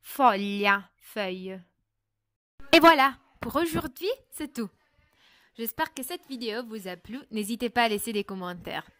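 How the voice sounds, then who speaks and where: A woman teaching pronunciation in a slow, careful way, repeating each word with its French translation. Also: a little high, fairly bright tone, no echo, clean studio sound. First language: Italian. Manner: deliberate, spells and repeats words with French translations. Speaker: Italian language teacher.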